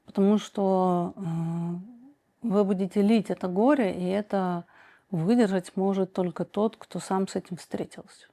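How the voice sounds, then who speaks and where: Mellow-voiced woman giving slow, measured advice. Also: mid-range voice, fairly even intonation. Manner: slow, deliberate, many pauses and hesitations; reads viewer questions aloud, then answers directly. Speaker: psychoanalyst answering viewer questions. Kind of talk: calm measured advice monologue.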